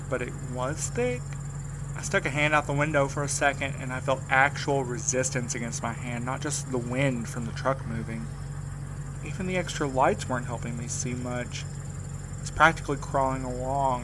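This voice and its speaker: A man's voice: mid-range voice, noisy background, lightly acted. A man acting as a tired young mail carrier in an audio drama. He sounds battered and weary, with a dry, wry edge. His delivery stays natural and conversational.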